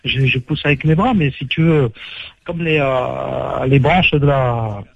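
A man speaks over a muffled phone line, chatting casually. He rambles and restarts his sentences, and his voice sounds slightly husky. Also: mid-range voice, measured pace, no room sound. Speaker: prank call target.

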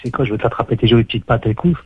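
A man's voice: mid-range voice, rapid-fire, breathy edge, no room sound. A man on a phone call, boasting with hesitant fillers. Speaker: caller on a radio show. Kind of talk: phone conversation. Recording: dull lo-fi phone line.

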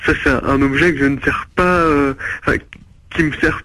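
A man's voice: on the high side, steady tone, normal speed, pushed and bright, dry recording. Eager man on a phone call. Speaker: prank call target. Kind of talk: intimate phone conversation. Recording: phone call with faint noise.

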